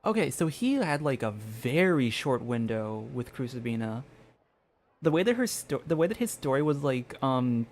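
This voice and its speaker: A man giving casual game commentary as a streamer, thinking aloud in a halting way and often repeating himself. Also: medium pitch, very animated, darkish tone.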